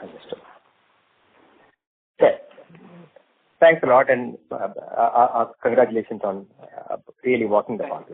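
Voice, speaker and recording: Husky man analyst on a phone line. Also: medium pitch, normal speed, pauses often. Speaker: analyst asking questions on call. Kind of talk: conversational earnings call questioning. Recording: thin narrow phone line.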